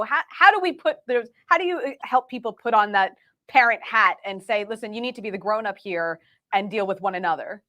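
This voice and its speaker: A woman's voice: mid-range voice, sharp tone. A woman co-hosting a morning TV talk show, asking rambling questions full of fillers. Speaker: co-host. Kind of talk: morning TV interviewing.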